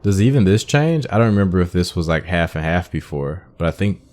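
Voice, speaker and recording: A man's voice: low-pitched, expressive, fairly quick, a little mellow. A man giving casual gameplay commentary, thinking aloud and explaining each step as he goes. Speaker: gaming host. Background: game audio with faint music.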